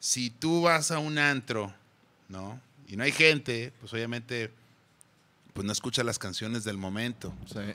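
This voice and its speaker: The speaker talks at a fairly slow pace with long, frequent pauses. Ordinary pitch variation comes with big swings in loudness. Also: man, medium pitch for a man. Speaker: singer and musician. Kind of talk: casual chat.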